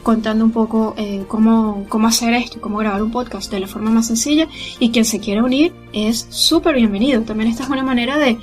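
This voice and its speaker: Higher-voiced woman, halting and chatty. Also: soft background music. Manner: warm, hesitant, many fillers. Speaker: podcast group organizer. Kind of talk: recorded message.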